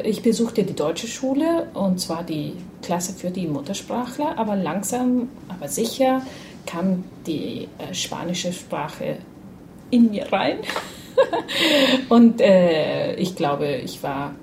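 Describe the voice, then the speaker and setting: A woman from Uruguay telling her own story off the cuff, hesitant, with many pauses and filler sounds. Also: lowish voice, darkish tone, slight background noise. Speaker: interviewee. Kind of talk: unscripted personal account.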